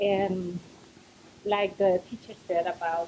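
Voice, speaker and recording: A woman speaks with a Spanish accent. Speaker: health educator. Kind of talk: testimony. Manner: halting.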